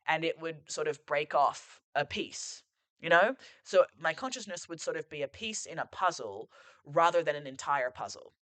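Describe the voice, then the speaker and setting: A man's voice: a little high, sharp tone, dry recording. A man hosting a podcast as a reflective solo monologue, rambling and musing, full of "like" and "sort of", sitting on a couch at home and losing his voice a bit. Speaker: podcast host.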